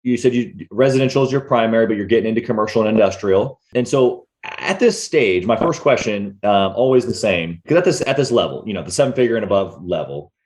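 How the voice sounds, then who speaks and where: A man's voice: on the low side, expressive, fairly quick, hardly any pauses, darkish tone. A man hosting an interview podcast in a very informal, slangy, buddy-to-buddy way. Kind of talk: casual interview chat.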